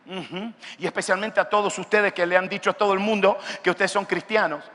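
A male pastor preaching a sermon at a youth conference, with an impassioned delivery that rises to shouts. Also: sits high, steady tone, brisk, long reverb tail. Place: large hall at a youth conference.

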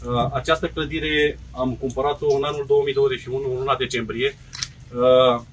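A man's voice: medium pitch, fairly bright tone, distant mic, a little hiss or hum, rough recording. A man in his forties, an industrial park director, giving a hesitant press statement full of fillers at an outdoor event. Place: outdoor tent at a ceremony.

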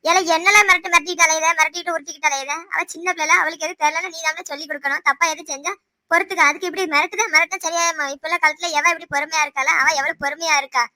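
A woman voicing a sharp-tongued village mother-in-law in a cartoon, scolding rapidly with a Tirunelveli Tamil accent. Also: very high voice, fairly even intonation, no echo, heavily acted. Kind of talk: cartoon voice acting.

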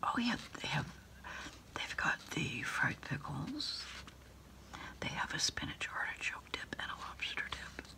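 A middle-aged American woman whispering softly and haltingly in a quiet ASMR roleplay, politely taking orders as if on the phone. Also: low-pitched, sing-song. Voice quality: breathy whisper with fry. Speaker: ASMR performer playing a takeout order taker. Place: small dim indoor desk space.

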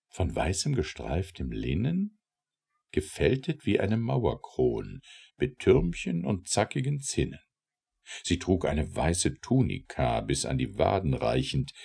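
A man reads poetry aloud as an audiobook narrator. His voice is very low and gravelly, and his theatrical delivery swings widely up and down. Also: huge pitch swings, slow pace, a little mellow. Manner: theatrical, declamatory. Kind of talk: expressive verse recitation.

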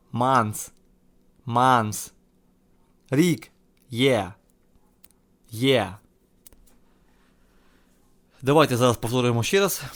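Slow, patient Ukrainian man teaching English. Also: mid-range voice. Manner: slow, patient, repeats each word twice. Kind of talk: language lesson, repeat-after-me drill.

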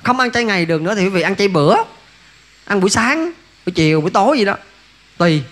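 A man's voice: sits high, lively intonation, quick pace, fairly bright tone. A man, a monk giving a folksy dharma talk that keeps asking listeners rhetorical questions. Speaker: Buddhist monk teacher.

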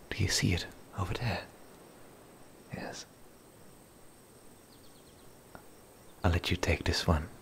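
A man voicing a gentle, playful male werewolf in an ASMR roleplay, speaking softly and intimately, often in a whisper. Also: deep voice, slight background noise. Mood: hungry, hushed. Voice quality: husky, breathy, gravelly. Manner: soft, intimate, halting.

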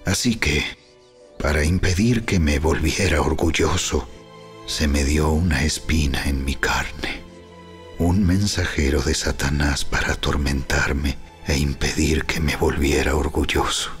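Here a man voices an earnest, modest apostle in a scripture drama. He narrates in a deliberate, solemn, booming way while soft music plays in the background.

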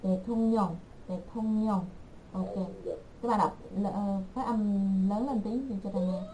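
A woman teaching an online language class, repeating words slowly and patiently for her learners. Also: mid-range voice, mellow, slight background noise, rough recording.

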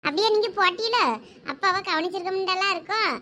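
A caring village housewife with a Thoothukudi accent, played by a woman in a homespun village drama. Her very high voice runs on fast and coaxing, soothing and talkative. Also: bright, forceful tone, a little hiss or hum. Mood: reassuring. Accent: Thoothukudi Tamil. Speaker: village wife.

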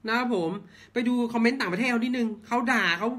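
Guy venting about his team, bright sharp voice, swears a lot, keeps asking "are you happy?" style questions. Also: very high-pitched, steady tone, fast talker. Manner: heated, blunt, swears often, asks repeated rhetorical questions. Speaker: football fan channel host. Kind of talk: casual ranting commentary.

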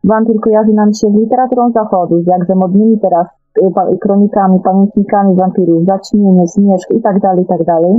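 A woman's voice: mid-range voice, fairly even intonation, fairly quick, few pauses, no echo, soft background music. A woman speaking as a guest in a radio discussion, explaining eagerly and often rephrasing herself. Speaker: guest author. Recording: narrow, tinny phone-like call line.

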